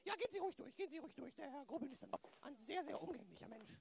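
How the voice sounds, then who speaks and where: A man's voice: very high-pitched, animated, rapid-fire, gravelly, a little hiss or hum, full character voice. A man playing a chatty, flustered older female receptionist in an improvised radio play, rambling and repeating herself.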